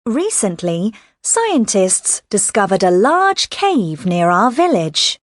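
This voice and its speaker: A woman reading scripted answers and sentences for a listening exercise, in a clear, careful way. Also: medium pitch, sing-song, slow, no echo, studio quality.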